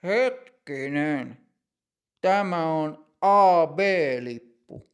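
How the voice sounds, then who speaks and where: A man's voice: a little high, expressive, smooth, lightly acted. A man voicing a firm, stern ticket inspector in a short lesson dialogue.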